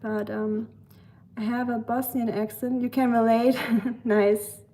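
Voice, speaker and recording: A young woman with a Black Forest German accent hosts a live stream from her home kitchen in the US, chatting casually with viewers as she cooks and using lots of ums and likes. Her voice is slightly high and warm, with a level tone and a slow pace.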